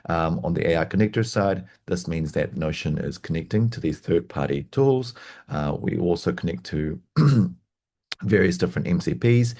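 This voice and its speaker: A man in his thirties with a New Zealand accent, talking casually on a video call panel with many fillers. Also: low-pitched. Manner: relaxed, rambling with many fillers. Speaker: panelist, product designer.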